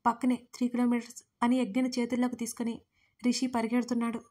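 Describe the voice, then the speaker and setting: A woman narrates a romantic audio story in a steady, dramatic reading. Her voice sits on the high side. Her melody stays notably flat and even. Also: fast.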